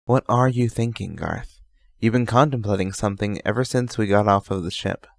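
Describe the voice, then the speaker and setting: A man's voice: on the low side, moderate pace, creaky, no echo, clean studio sound. A man playing a young, easygoing sorcerer in an audio drama, speaking in an articulate, slightly formal way. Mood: concerned. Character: concerned, easygoing young male sorcerer sidekick. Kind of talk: amateur audio drama acting.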